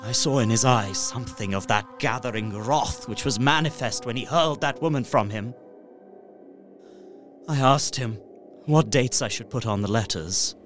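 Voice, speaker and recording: Radio-play narrator, male actor: horrified young solicitor, earnest, formal, mid-pitched, light music bed. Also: normal speed, fairly bright tone, natural voice. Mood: uneasy. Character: Jonathan Harker, horrified young solicitor recounting his journal. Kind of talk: dramatic first-person narration, radio play.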